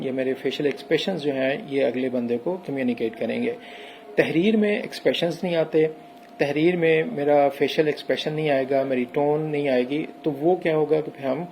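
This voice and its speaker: A man's voice: a little high, darkish tone, a little hiss or hum, poor audio. A man teaching an English grammar lesson, explaining step by step and reading out English example sentences. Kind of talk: recorded classroom lecture.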